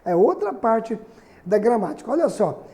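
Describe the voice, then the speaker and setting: A man's voice: sits high, big pitch swings, moderate pace, dark tone. A middle-aged man from Brazil teaching a recorded grammar lesson, chatty, often checking in with the class as he writes on the board. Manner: chatty, constantly asking "né?" and "certinho?"; writes on the board while explaining.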